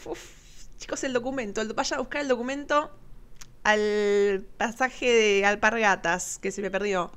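A woman's voice: medium pitch, measured pace, a bit bright, clear, resonant tone. A woman with an Argentine accent casually commenting on viral clips as host, chatty and sarcastic, often laughing. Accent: Argentine Spanish.

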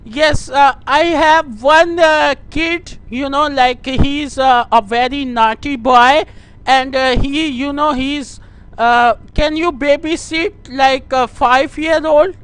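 Prank caller: South Asian-accented man, very high voice, halting, repetitive, deferential, slow delivery. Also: steady tone, fairly bright tone, rough recording. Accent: South Asian English. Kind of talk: staged phone conversation.

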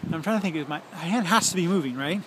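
A man in his forties talking casually and haltingly to a handheld phone, musing as he drifts between thoughts. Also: a little high, expressive, a bit bright, a little hiss or hum. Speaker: video blogger. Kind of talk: casual rambling monologue to camera. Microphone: handheld smartphone at arm's length.

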